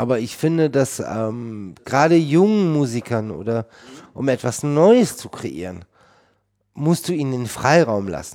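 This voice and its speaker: The voice has a dark, mellow tone with very wide pitch swings and big swings in loudness, moving at a fairly slow pace on a very clean recording with a silent background. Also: man, medium pitch for a man. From Munich, Bavaria. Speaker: film editor. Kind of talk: interview. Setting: in person.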